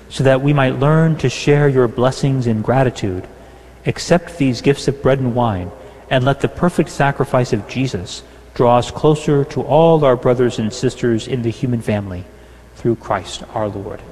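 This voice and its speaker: A man celebrating Mass as a priest, reading set prayers in a measured, solemn way and chanting parts of them, with a long cathedral echo behind his voice. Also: medium pitch, darkish tone. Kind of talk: liturgical prayer, partly chanted. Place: large church. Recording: long church reverb.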